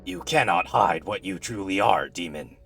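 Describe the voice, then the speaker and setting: A streamer voicing a grim male demon hunter, imitating a demonic layered voice, slow and menacing. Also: low voice, a bit bright, slight background noise. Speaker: streamer reading game dialogue.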